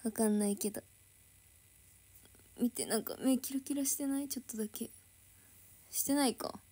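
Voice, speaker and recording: A woman's voice: on the high side, normal speed, mellow, slightly rough. A young woman idol chatting casually on a livestream, reading and answering viewer comments.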